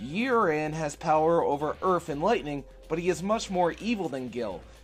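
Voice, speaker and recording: Music plays in the background as a man talks at a moderate pace. His voice is fairly high with lively intonation. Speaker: video game reviewer. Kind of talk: video game review narration.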